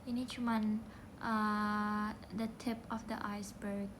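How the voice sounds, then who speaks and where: A young woman streaming live, chatting playfully in a soft voice, humming bits of songs and thanking viewers by name. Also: mid-range voice, flat delivery, takes it slowly, slight background noise. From Indonesia. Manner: playful, soft-spoken, sings snippets and reads out gifter names. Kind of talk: casual livestream chat.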